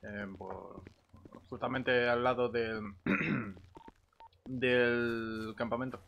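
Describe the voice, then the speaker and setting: A man streaming a roleplay game, chatting casually in a halting, hesitant way. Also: medium pitch, creaky, muffled recording, a little hiss or hum.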